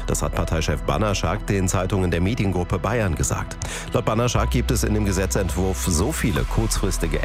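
A man reading the national news on the radio in a measured, formal manner. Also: low-pitched. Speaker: radio newsreader.

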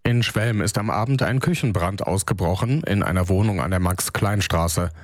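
A man reading scripted regional news on the radio in a calm, measured, even delivery. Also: sits low, dry recording, clean studio sound. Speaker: newsreader. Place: radio studio. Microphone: close studio microphone.

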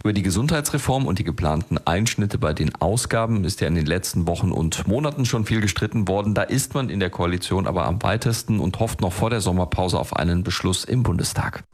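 A man's voice: deep voice, lively intonation, fast, hardly any pauses, a little mellow, slightly rough. A man reporting for a radio news team, explaining the issues to the anchor in a matter-of-fact way.

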